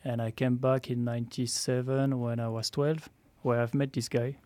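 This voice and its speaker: A French-accented man in his thirties, a startup co-founder telling his story in a studio interview, measured and quick to laugh at himself. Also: mid-range voice, flat delivery, darkish tone, dry recording. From France. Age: 30s.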